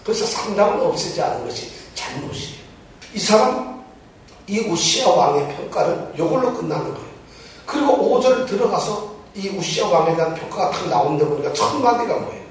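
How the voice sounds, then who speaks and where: Male preacher, slightly high voice, teaching with questions to the pews; distant mic in a very reverberant church. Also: expressive, fairly quick, a little hiss or hum. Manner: poses rhetorical questions to the congregation. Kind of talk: Bible teaching sermon. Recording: very echoey church hall, mic far off.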